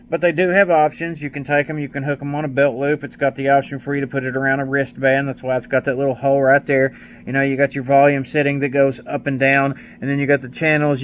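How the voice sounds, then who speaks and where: A man giving a casual, rambling product review in a folksy, colloquial way. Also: mid-range voice. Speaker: product reviewer, maintenance mechanic. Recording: steady clear background noise.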